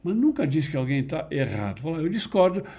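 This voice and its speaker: A middle-aged man being interviewed, explaining ideas in a measured, didactic way with emphatic stresses. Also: medium pitch, very animated, creaky, dark tone, slightly rough. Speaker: interview guest, NLP teacher. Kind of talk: conversational explanation.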